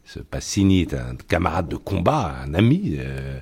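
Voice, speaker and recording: A man's voice: low-pitched, big pitch swings, normal speed, vocal fry, a little mellow, breathy edge. A male journalist speaking as a guest in a radio debate, hesitant and full of fillers.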